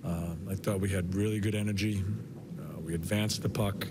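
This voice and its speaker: An older man in his sixties, a head coach, answering postgame press questions in halting bursts with repeated words and many fillers. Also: low voice. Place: arena press room. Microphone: podium mic, medium camera shot. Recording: broadcast feed with steady background noise.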